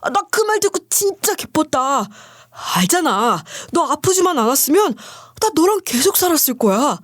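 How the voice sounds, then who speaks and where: A woman's voice: high voice, very animated, moderate pace, no echo, clean studio sound, pitched above the performer's own voice. A woman voicing a self-pitying, remarried ex-husband who pleads and makes excuses in a storybook reading. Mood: coaxing.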